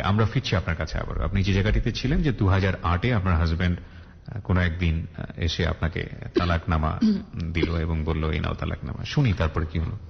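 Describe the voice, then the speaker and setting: Deep-voiced male radio host, reverberant broadcast. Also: lo-fi sound. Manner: measured announcer delivery, spells out addresses slowly. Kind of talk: radio talk show hosting and interviewing. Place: radio studio.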